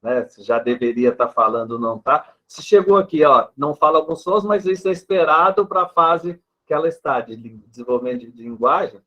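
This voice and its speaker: A man's voice: on the high side, expressive, brisk, hardly any pauses, sharp tone. A man with a Brazilian Portuguese accent, a speech therapist, patiently explaining with examples and a habit of tagging his sentences with a questioning "né". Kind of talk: explanatory interview answer. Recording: dull lo-fi sound.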